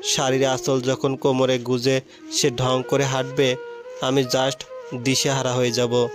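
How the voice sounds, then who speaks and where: A man reading the part of an arrogant, sharp-tongued young man back from abroad, with music behind. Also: mid-range voice, completely flat delivery, measured pace, natural voice. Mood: dreamy. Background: background music.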